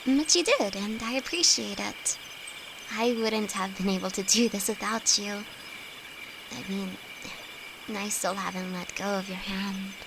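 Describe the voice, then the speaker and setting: A woman's voice: mid-range voice, vocal fry. A woman playing a timid, affectionate young apprentice alchemist in an intimate fantasy audio roleplay, speaking hesitantly to her best friend. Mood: grateful, shy. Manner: hesitant, halting, soft-hearted. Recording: noisy, with night insects behind. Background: crickets and night forest ambience.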